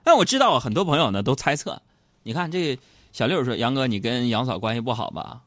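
A man's voice: big pitch swings, quick pace, a bit bright, no room sound. A man with a Northeastern Chinese accent hosting a comic storytelling monologue, playful and teasing, jumping into mock voices. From Northeast China. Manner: jokey, playful teasing, sudden jumps into high mock voices. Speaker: host.

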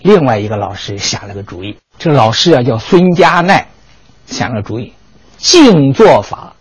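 A man telling history in a lively, colloquial lecture with dramatic asides. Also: medium pitch, normal speed, husky, no echo. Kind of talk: storytelling lecture.

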